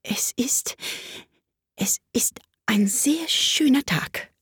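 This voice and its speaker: A woman voicing a timid, nervous white rabbit who talks in quick, anxious whispers in a storybook reading. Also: on the high side, darkish tone, slightly rough, dry recording, voice pushed up.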